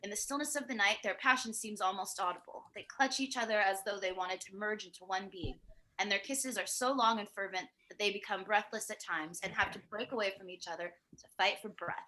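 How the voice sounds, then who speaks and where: A woman's voice: mid-range voice, fairly quick, sharp tone, a little hiss or hum, poor audio. A woman narrating a screenplay, reading out scene headings and stage directions for a table read. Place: remote virtual table read.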